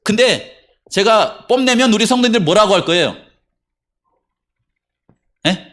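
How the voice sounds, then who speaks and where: A man's voice: high-pitched, unhurried. A middle-aged male pastor giving a conversational sermon in a church, asking the congregation questions as he talks. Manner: conversational, animated preaching with rhetorical questions to the congregation. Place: church sanctuary.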